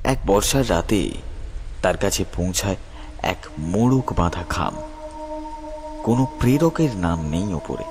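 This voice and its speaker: A man reads a horror story with dramatic suspense. His voice sits very low and moves expressively across its range. Prominent music plays behind him. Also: big pitch swings, unhurried, long pauses, darkish tone. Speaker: narrator. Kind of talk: scripted horror story narration.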